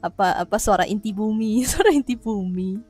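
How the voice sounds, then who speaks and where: A woman's voice: medium pitch, lively intonation, brisk, a little mellow, slightly rough, soft background music. A woman live streamer chatting casually with her viewers, playful and teasing, laughing often and throwing in little roars. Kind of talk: casual livestream chat reading viewer comments.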